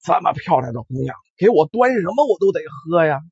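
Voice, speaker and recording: Lively, husky male storyteller. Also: on the high side, a little fast, no echo. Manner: animated with frequent exclamations. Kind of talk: oral folk storytelling. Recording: dull lo-fi recording.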